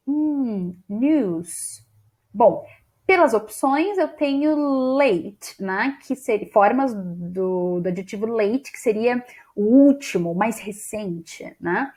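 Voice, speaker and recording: A woman from Brazil teaching English grammar in an exam-prep lesson, explaining step by step and reading English sentences aloud slowly. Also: on the high side, animated, a little mellow. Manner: explains step by step, often ends with "né?" and "tá?".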